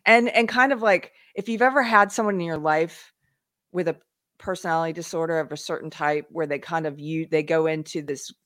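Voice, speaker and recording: A woman's voice: low voice, brisk, fairly bright tone, no echo, clean studio sound. A woman hosting a live online talk show, retelling events animatedly with frequent laughs. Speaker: livestream show host. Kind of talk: casual chat.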